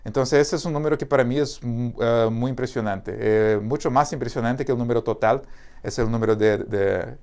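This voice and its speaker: Brazilian man, Portuguese accent, smooth clear voice, halting live tech talk with many fillers. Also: mid-range voice, darkish tone. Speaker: developer advocate. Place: company studio.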